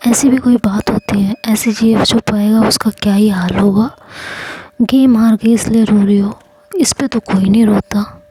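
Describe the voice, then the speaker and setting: A woman's voice: medium pitch, fairly even intonation, unhurried, mellow, husky, dry recording, rough recording. A woman voicing Yishu, a blunt, teasing young woman. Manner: scolding and teasing, then pleading.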